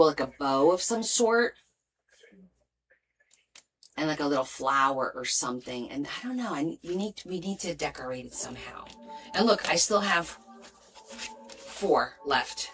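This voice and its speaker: A woman's voice: deep voice, unhurried, long pauses, husky, low-quality recording. A woman from Portugal raised in New Jersey, with a light New Jersey accent, hosting a casual crafting livestream and chatting with viewers. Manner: chatty, reads viewer comments aloud, lively rises and soft asides. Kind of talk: casual chat while crafting.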